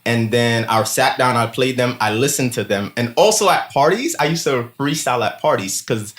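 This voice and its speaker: A man in his thirties with a Haitian accent speaks at medium pitch and a moderate pace. As a guest in a casual interview, he's an animated storyteller who laughs often and leans heavily on "like" fillers, recorded in an echoey room.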